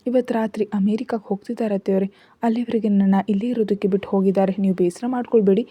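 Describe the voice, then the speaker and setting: Woman voicing a gentle, caring young daughter-in-law. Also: mid-range voice, fairly even intonation, fast talker, husky, no room sound, lightly acted. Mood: reassuring.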